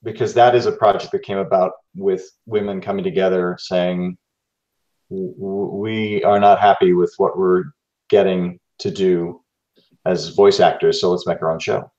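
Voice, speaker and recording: A man with a lowish voice, a bit away from the mic on a dull recording, chats as a podcast co-host. His delivery is casual and slightly halting. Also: level tone, dark tone, distant mic. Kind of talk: casual interview chat.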